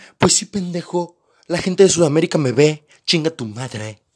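A man in a Mexico City accent, high in pitch, animated in tone, at a moderate pace. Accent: Mexico City Spanish (chilango). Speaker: podcaster. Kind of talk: casual monologue.

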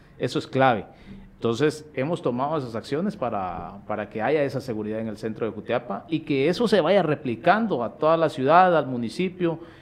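This man's voice sits fairly high in pitch. He moves at a fairly quick pace with very wide pitch swings. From Guatemala, Jutiapa. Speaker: panelist, community organizer. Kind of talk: panel discussion.

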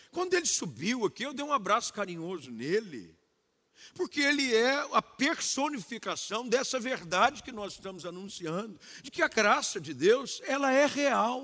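A man with an extremely high pitch and a bright, sharp tone speaks fairly slowly in a raised, projected voice, with very wide pitch swings and big swings in loudness. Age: 50s. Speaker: pastor. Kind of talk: sermon.

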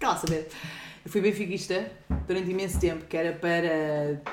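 Speaking at a very fast pace, a woman is heard over noticeable background noise. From Portugal. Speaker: podcast co-host, mother. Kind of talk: casual chat.

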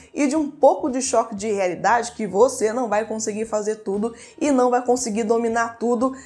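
A woman talks at a fairly quick pace with hardly any pauses, her high voice showing ordinary pitch variation. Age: young. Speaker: psychologist. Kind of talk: video monologue. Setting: talking to a camera.

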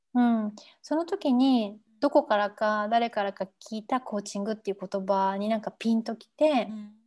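A woman's fairly high-pitched voice with a dark, mellow tone, moderate pace, ordinary pitch variation and hardly any pauses, in a very clean recording with a silent background. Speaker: sex coach. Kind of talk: interview.

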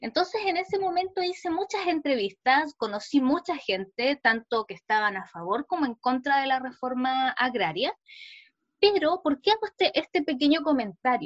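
Her high-pitched voice swings very widely in pitch as the woman speaks at a moderate pace, with a dry, close sound and no echo. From central Chile. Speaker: podcast panelist, historian. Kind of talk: casual chat.

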